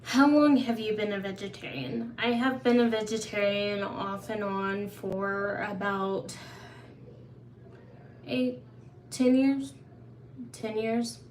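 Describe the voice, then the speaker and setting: A woman's voice: medium pitch, fairly even intonation, slow pace, pauses often, a little mellow, slight background noise. Chatty woman hosting a live Q&A. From Oklahoma. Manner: chatty, open, answers viewers' questions. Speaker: livestream host. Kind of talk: casual live Q&A. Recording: echoey room, faint ambience.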